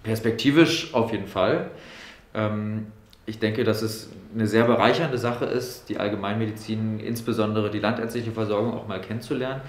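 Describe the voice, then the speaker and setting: A man's voice: fairly low pitch, normal speed, echoey room. A man in his twenties from Berlin, a medical student answering interview questions thoughtfully, with many fillers. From Berlin, Germany. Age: 20s. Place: room in a doctor's practice.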